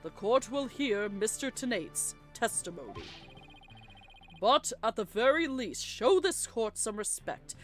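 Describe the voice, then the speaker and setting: A woman voicing a formal, stern and easily puzzled courtroom judge for a game read-aloud, measured and authoritative. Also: a little high, sing-song. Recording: game music behind the voice.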